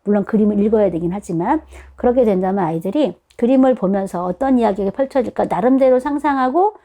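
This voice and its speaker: Mellow-voiced woman explaining things to parents. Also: mid-range voice, quick pace. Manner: animated, acts out short quotes of children and parents; conversational, with rhetorical questions to listeners. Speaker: reading educator giving parents advice.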